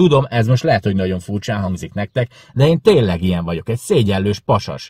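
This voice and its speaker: Against a quiet background with a dry sound and no echo, a man talks at a fairly quick pace in a fairly low pitch, somewhat breathy, with lively intonation. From Hungary. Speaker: YouTuber, charity fundraiser; YouTuber. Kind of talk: vlog monologue. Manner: forceful. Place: car. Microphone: phone near.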